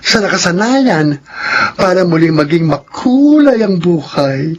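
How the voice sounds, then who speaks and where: Casting: cheerful gay salon owner, Filipino accent, raised pitch, playful and doting, chatty radio drama style. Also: male voice, sing-song, a little slow, a little mellow, lo-fi sound, exaggerated voice. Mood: eager, wistful.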